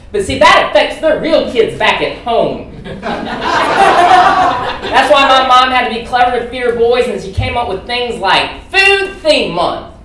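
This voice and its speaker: A man from Alabama with a Southern accent, doing a punchy stand-up comedy set to a crowd with loud bursts. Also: very high voice. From Alabama, USA. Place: comedy theater stage. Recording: echoey theater recorded from far off, noisy.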